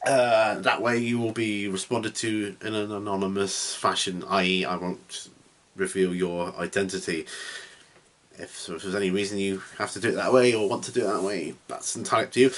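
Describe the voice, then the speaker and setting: A man's voice: on the low side, fairly bright tone. A man hosting a casual question and answer vlog, chatty and a little rambling and self-deprecating. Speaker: hobby channel host.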